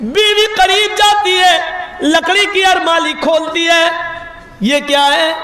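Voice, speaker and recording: A man speaks in a raised, projected voice with an extremely high pitch and ordinary pitch variation, with noticeable background noise and audible room echo. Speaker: Islamic preacher. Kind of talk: sermon. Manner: animated, voicing characters.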